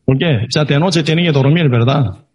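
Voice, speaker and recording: A man preaching a sermon that retells a Bible story, halting and peppered with tag questions. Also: fairly high pitch, a little mellow, breathy edge.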